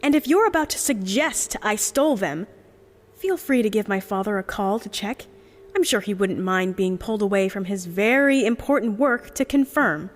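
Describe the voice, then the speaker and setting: A woman's voice: mid-range voice, moderate pace, close to an everyday voice. A woman playing a cool, bluffing young heiress in an audio drama, composed, haughty and persuasive.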